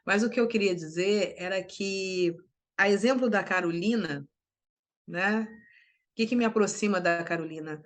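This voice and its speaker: A woman's voice: medium pitch, a little slow. A middle-aged woman from Brazil, a writer interviewed as a guest, talking emphatically with restarts and tag questions. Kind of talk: conversational interview.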